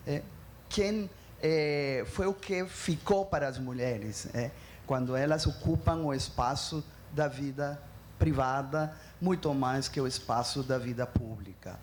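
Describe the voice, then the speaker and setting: A woman with a Mexican accent speaks in a very deep voice, a little slowly, during a panel talk. As a panelist she sounds earnest and emphatic, with frequent fillers and restarts, and there's a slight hiss or hum in the recording.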